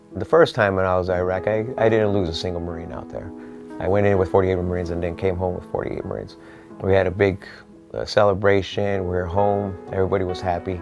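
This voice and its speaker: A man with a very deep, low pitch talks at a very fast pace with fairly even intonation. Clear music plays in the background. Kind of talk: interview answer. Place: office.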